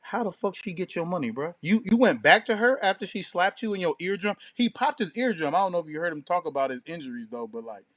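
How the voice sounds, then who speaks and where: A man's voice: high voice, big pitch swings, quick pace, hardly any pauses, fairly bright tone. A man co-hosting a talk show in casual, opinionated discussion, with a slangy and profane way of talking.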